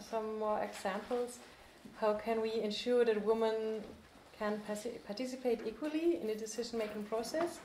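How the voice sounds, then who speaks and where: A woman speaks in a fairly high voice with fairly even intonation. The room echo is audible, along with light background noise. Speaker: event moderator. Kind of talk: panel moderation. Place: meeting room.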